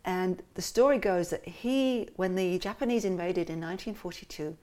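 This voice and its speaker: Woman, lowish voice, animated storytelling guest. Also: moderate pace. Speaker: interview guest, musician and cartoonist. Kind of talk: casual conversational interview.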